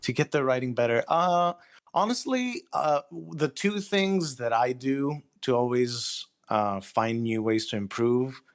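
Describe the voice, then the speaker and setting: A man's voice: mid-range voice, animated, a little slow, clean tone. A man speaking as an interviewed writer in a casual, earnest, plain-spoken and matter-of-fact way.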